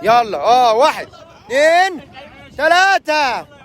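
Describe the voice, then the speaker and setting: A man with an Egyptian accent, hosting a boat trip vlog outdoors at sea, loudly teasing and urging people on. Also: very high voice, very animated, unhurried, crowd noise, background noise. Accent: Egyptian Arabic. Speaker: tour host.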